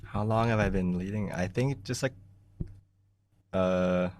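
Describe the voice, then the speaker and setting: A young man, a monk who grew up in the United States, giving an easygoing meditation talk on a video call, often laughing and clearing his throat. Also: sits low, measured pace, a little mellow, recorded from a distance, a little hiss or hum. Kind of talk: relaxed teaching talk over a video call. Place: small plain room indoors. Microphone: large desk mic in front of him.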